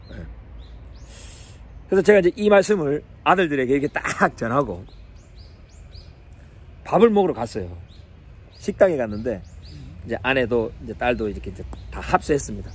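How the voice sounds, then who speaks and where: A man teaching on a psalm and telling a family story in an animated sermon style, chuckling now and then. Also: mid-range voice, a little hiss or hum. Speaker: Bible teacher.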